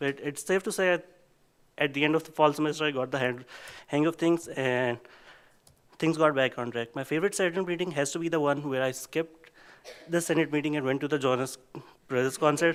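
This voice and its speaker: Pausing long and often, a man with a non-native accent speaks at a fairly high pitch. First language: not English. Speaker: student government committee chair. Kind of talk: farewell speech. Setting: meeting hall, podium.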